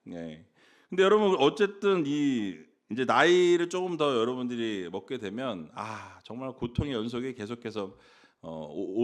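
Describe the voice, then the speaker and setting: Lively, animated male pastor preaching. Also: mid-range voice. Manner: lively preaching with rhetorical questions and sudden shouts; jokes with a sleepy congregation. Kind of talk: sermon.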